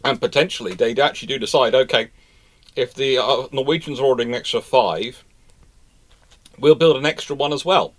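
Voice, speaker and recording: A man's voice: medium pitch, brisk. A man hosting a casual live question-and-answer show, talking emphatically and rephrasing his points for stress. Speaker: host of a naval history question show.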